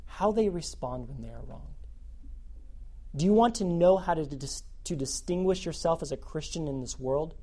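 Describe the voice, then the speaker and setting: A man preaching a sermon to students as their youth pastor, animated and repeating phrases for emphasis. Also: a little high, normal speed.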